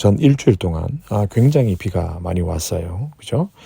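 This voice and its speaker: This man has a fairly low pitch and a dark, mellow tone, sounding somewhat breathy as he talks at a moderate pace with lively intonation. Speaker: travel vlogger. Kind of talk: travel vlog narration. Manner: halting, many filler sounds.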